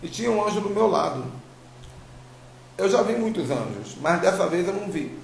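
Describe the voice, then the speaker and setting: A man's voice: high voice, animated, normal speed, vocal fry. A Brazilian man with a slight tongue-tie giving an informal spiritual testimony to online followers as a preacher, telling it emphatically and repeating phrases. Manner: informal, emphatic storytelling with repetition. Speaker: apostle, religious teacher. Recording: roomy echo, faint background noise.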